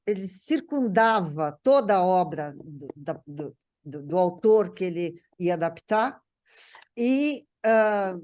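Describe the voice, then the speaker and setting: A woman's voice: fairly low pitch, expressive, slow pace, a little mellow. A Brazilian woman speaking casually as a panel guest, recalling a writer's work and often repeating words as she searches for phrasing. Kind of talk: casual conversational recollection.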